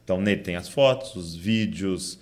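A man hosts a podcast and explains ideas in a relaxed, easygoing way, building them up with simple everyday examples. His voice sits fairly low. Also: normal speed. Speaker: podcast host. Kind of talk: casual chat.

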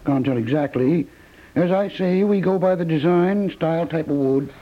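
An actor playing a folksy, evasive antique seller who hedges vaguely, in 1950s radio comedy style. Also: male voice, a little high, normal speed, dull audio, lightly acted. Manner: vague, hedging salesman. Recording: thin, band-limited 1950s radio recording.

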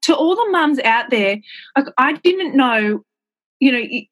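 A woman's voice: high-pitched, lively intonation, measured pace. Chatty Australian woman with a stuffy cold. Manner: chatty and upbeat, many fillers and quoted asides. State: head cold, a bit nasal. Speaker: podcast guest, makeup artist. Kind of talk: casual interview chat.

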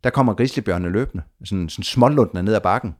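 A man telling a long story of his trip in a casual conversation, lively, with frequent restarts and repeated words. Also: fairly low pitch.

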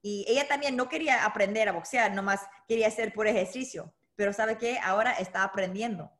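A woman being interviewed as a boxing coach, talking in halting bursts with restarts and dropping in English words. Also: mid-range voice, a bit bright. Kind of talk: conversational interview.

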